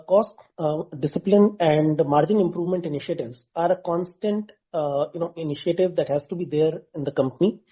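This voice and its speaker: A man gives measured, formal answers as a finance executive on an earnings call, restarting phrases here and there. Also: high voice, dark tone, husky. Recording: dull, muffled conference call audio.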